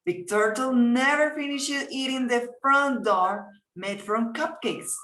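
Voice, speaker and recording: A woman narrates a fairy tale slowly and haltingly. Her voice is somewhat high, and the recording is roomy with clear echo. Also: a bit bright. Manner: halting, deliberate reading. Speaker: storyteller. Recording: echoey, roomy sound.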